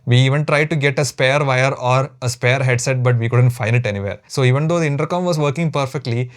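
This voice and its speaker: Male reviewer, Indian accent, mid-pitched voice, methodical and explanatory delivery. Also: fast talker. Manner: methodical, explanatory, enumerates points. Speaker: product reviewer. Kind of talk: structured review narration to viewers.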